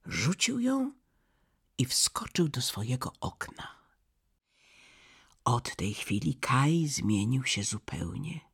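A storyteller reading a fairy tale aloud, expressive and sometimes sinking to a near-whisper. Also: medium pitch, vocal fry, breathy edge.

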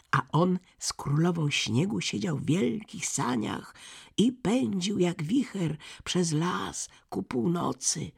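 A storyteller voicing a pair of cooing pigeons in a husky, creaky voice. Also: mid-range voice, exaggerated voice.

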